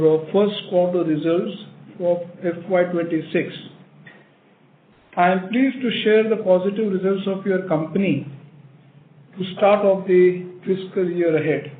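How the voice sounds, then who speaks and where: A man's voice: sits high, fairly even intonation, unhurried. An older man with an Indian accent, a chief executive giving prepared remarks in an emphatic way, repeating phrases for stress. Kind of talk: prepared earnings call remarks. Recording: echoey narrow phone line, faint noise.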